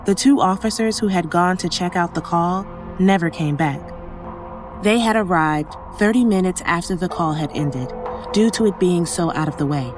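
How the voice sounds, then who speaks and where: A woman playing an emergency operator who narrates a first-person horror story in a measured, sombre way. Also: fairly low pitch, lightly acted. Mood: uneasy, sombre. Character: female emergency operator recounting a haunting night. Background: faint music.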